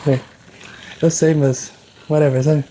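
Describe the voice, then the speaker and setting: A Brazilian speaker playing a chiropractor in an ASMR roleplay, chatting softly and informally with a joking streak. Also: mid-range voice, flat delivery, takes it slowly, slight background noise, rough recording. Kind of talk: ASMR roleplay of a chiropractic session, soft casual chat.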